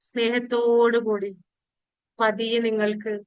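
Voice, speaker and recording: A woman leading a guided spiritual meditation and prayer in a pleading, devotional way with drawn-out phrases. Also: a little high, flat delivery, smooth, dry recording, lo-fi sound.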